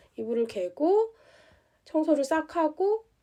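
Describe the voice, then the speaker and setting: At a fairly slow pace, a woman speaks in a dark, mellow tone with very wide pitch swings. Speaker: podcast host. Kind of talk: casual solo podcast talk.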